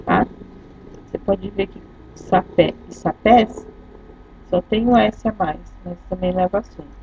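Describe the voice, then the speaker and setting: A Brazilian woman teacher walks her class through the lesson, patient and step by step, checking in after almost every point. Her voice is mellow, dark and very husky, with a gravelly edge. The recording is dull and lo-fi. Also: medium pitch. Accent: Brazilian Portuguese.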